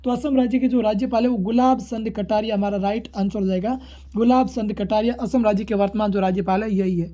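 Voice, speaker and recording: A man with a high-pitched, mellow voice gives an informal exam-prep lesson. He talks very quickly, moving through questions and answers with repetitive, formulaic phrasing. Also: fairly even intonation.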